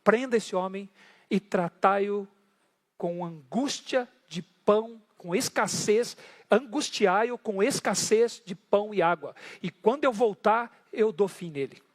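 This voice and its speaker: A man's voice: high voice, takes it slowly, long reverb tail. A man acting out a stubborn, self-pitying ancient king inside a sermon retelling, complaining and worried. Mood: commanding.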